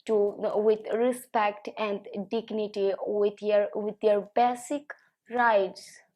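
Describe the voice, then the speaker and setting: A woman from Afghanistan, an artist making a slow, earnest plea. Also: medium pitch, flat delivery, warm tone. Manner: slow, pleading. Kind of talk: earnest appeal.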